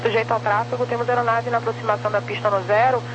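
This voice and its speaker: A woman's voice: fairly high pitch, little pitch movement, rapid-fire. Brazilian lady doing air traffic control radio calls, clipped phrases, hum and static noise behind.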